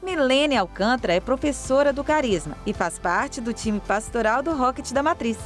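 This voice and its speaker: A woman reading a scripted guest introduction as a voice-over in a smooth, even manner. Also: high-pitched, normal speed, faint music behind. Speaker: announcer.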